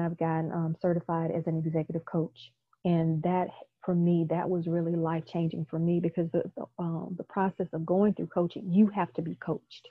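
This speaker has a Memphis accent and talks at a fairly quick pace. The intonation is monotone and flat. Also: woman. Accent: Southern US (Memphis). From US South, Memphis, Tennessee. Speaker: executive coach. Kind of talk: interview, personal testimony.

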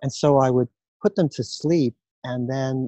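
In an Iranian accent, a man with a dark, mellow tone and medium pitch speaks at a moderate pace, the sound dry and close with no echo. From England. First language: Farsi. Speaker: sound healer and musician. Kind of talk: casual interview chat.

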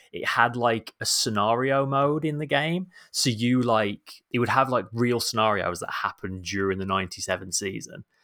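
A man with a Midlands accent speaks at a medium pitch and a moderate pace, his bright, sharp tone carried by lively intonation with hardly any pauses, on a very clean recording with a silent background. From West Bromwich, English Midlands. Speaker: motorsport podcast co-host. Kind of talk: casual chat.

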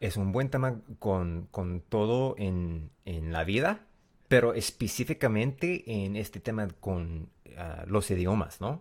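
In a very clean recording with a silent background, a man talks very slowly at a fairly low pitch with lively intonation. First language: English (speaking Spanish). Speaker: podcast co-host, Spanish learner. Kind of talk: casual chat. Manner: halting.

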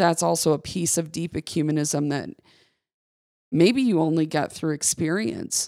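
A woman with an American accent, an ordinary speaking voice and a fairly low pitch at a moderate pace, in a very clean recording with a silent background. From Michigan. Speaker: podcast co-host. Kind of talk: casual discussion.

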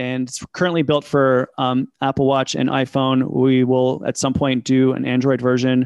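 With hardly any pauses, a man speaks at a moderate pace and medium pitch in a flat monotone. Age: 50s. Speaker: exercise physiologist. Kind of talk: interview.

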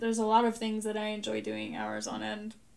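This is a woman speaking at a fairly high pitch. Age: 20s. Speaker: podcast host. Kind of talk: casual monologue. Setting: home apartment.

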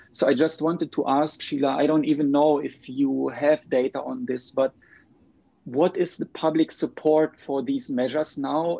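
Speaking at a fairly slow pace with a German accent, a man has a fairly high pitch, a dark, mellow tone and fairly even intonation, in a dry, close sound with no echo. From Germany. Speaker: podcast host. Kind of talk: interview. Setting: remote podcast recording.

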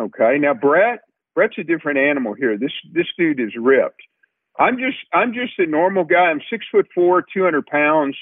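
At a moderate pace, a man speaks in a high voice with very wide pitch swings. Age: 60s. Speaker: nutrition and fitness enthusiast. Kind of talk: interview.

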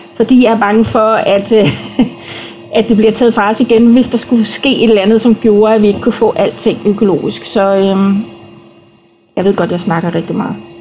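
With music in the background, a woman of fairly high pitch talks at a moderate pace, her intonation fairly even and her pauses long and frequent. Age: 40s. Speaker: canteen manager. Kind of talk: interview. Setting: video call.

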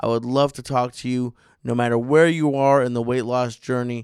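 In a very clean recording with a silent background, an ordinary speaking voice carries fairly even intonation. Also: man. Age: 30s. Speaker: podcast host. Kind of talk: casual chat; podcast outro.

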